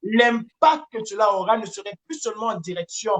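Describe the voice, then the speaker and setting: A man's voice: high voice, expressive, a little fast, a crowd in the background. Emphatic Francophone Cameroonian man making an appeal. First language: French. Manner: emphatic, repetitive, hesitating as he searches for words. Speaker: activist and campaigner. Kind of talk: impassioned political appeal.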